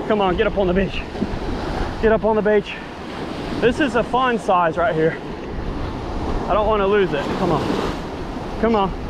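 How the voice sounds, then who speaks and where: A man hosting a fishing vlog, chatting casually and excitedly while casting and fighting fish from the surf. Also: high-pitched. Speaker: fishing channel host. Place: sandy ocean beach outdoors at sunrise. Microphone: chest-mounted action camera. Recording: outdoor action cam with surf noise. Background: surf and waves.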